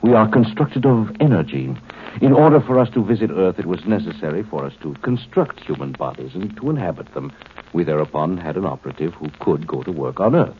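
An actor playing a coolly superior alien commander in human form, speaking formally and condescendingly in a 1950s radio drama. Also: male voice, deep voice, animated. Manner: formal, condescending, measured explanations. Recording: tinny, noisy 1950s radio recording.

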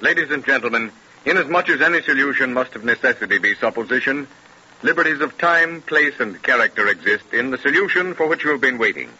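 An actor playing a dramatic mystery storyteller, formal and deliberate, in 1930s radio style. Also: male voice, mid-range voice, lively intonation, bright, forceful tone, husky, dull audio, full character voice. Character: dramatic male mystery storyteller explaining eerie experiences. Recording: thin, noisy 1930s radio recording.

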